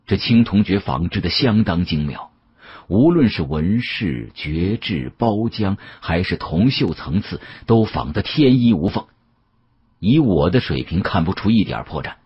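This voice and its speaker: A man narrating an audiobook as a dramatic storyteller, with an expressive, conversational delivery. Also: low voice, breathy edge, dull audio.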